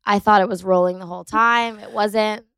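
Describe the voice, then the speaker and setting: Raspy, hoarse young woman. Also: medium pitch, fairly even intonation, moderate pace, a bit bright, no room sound. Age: 20s. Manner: dry self-mocking banter. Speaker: comedian guest. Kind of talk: casual podcast chat.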